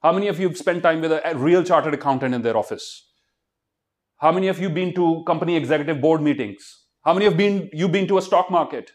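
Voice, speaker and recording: A middle-aged motivational speaker with an Indian accent gives students an emphatic, exhorting talk, often firing rhetorical questions at them. His voice is a little high and he talks fast.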